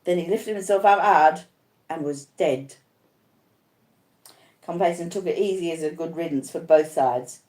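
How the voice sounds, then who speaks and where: Woman reading old convict telling his story, rough rustic grammar, confiding, audiobook, roomy echo. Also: low-pitched, unhurried, long pauses, mellow. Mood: grim, reflective. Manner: rustic uneducated speech, confiding, plain-spoken. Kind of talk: audiobook first-person narration.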